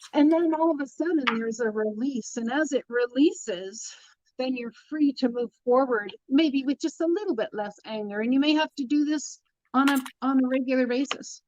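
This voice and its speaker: A woman's voice: high-pitched, slight background noise. A middle-aged woman teaching tarot, talking earnestly in a casual spiritual chat, repeating her points for emphasis. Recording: dull lo-fi sound.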